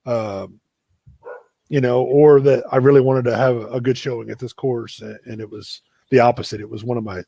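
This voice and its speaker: A man hosting a live video chat, telling a story in a relaxed, self-deprecating way. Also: mid-range voice, moderate pace, creaky, no echo. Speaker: running coach and show host.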